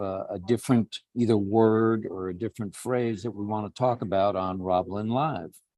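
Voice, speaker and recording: Quiet and fairly slow, a man speaks in a dark, mellow tone at a fairly low pitch with ordinary pitch variation, the sound dry and close with no echo. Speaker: network marketing member and live show co-host. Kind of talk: casual group call remarks. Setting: video call from a senior care center. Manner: slow and quiet.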